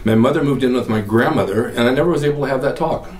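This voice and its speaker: A man's voice: medium pitch, darkish tone. An older man from California hosting his own podcast, telling rambling stories in casual chat. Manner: rambling storyteller, quick and chatty. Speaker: podcast host. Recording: roomy echo, mic at a distance.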